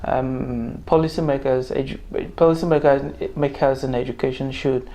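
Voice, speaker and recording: A man from Nigeria with a Nigerian accent, a non-native English speaker, talking in a halting, measured and formal way in a discussion. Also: mid-range voice, level tone, warm tone. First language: not English. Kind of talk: casual discussion.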